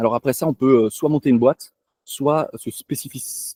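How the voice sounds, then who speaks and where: The man's tone is dark and mellow. He speaks at a moderate pace in a dry, close sound with no echo. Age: 20s. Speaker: crypto investor. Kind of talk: interview. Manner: hesitant, many fillers.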